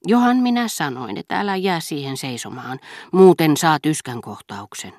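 A woman's voice: sits low, expressive, a little mellow, no echo, clean studio sound. A woman voicing a proud, jealous young male aristocrat in an audiobook, speaking firmly and formally. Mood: stern.

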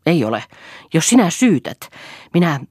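A woman reading an audiobook, voicing a furious, violent husband who shouts in raging outbursts. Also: deep voice, big pitch swings, no room sound, clean studio sound, pitched above the performer's own voice.

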